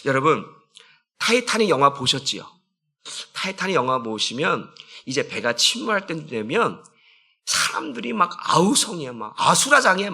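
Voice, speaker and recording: A man's voice: a little high, vocal fry, pushed and bright, breathy edge. A man preaching a conversational sermon as a senior pastor, asking the congregation questions and acting out quotes.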